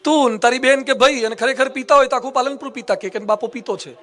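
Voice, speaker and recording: Male preacher, very high and bright voice, playful teasing discourse to a live hall audience. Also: quick pace. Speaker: monk preacher. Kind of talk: humorous Gujarati religious discourse.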